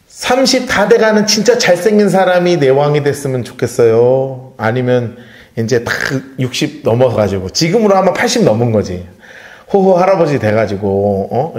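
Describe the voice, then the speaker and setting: A male pastor leading a Bible study in a church, lively and playful, dramatizing the text and laughing often. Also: mid-range voice, roomy sound. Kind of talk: animated Bible study lesson.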